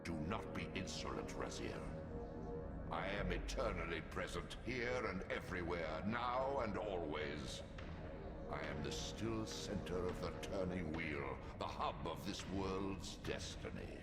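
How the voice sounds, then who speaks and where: A man's voice: low-pitched, measured pace. A man voicing an ancient, domineering god-creature in a gothic video game, pompous and menacing, in cavernous reverb. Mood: imperious. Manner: pompous, commanding, formal. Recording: long echoing reverb under loud music.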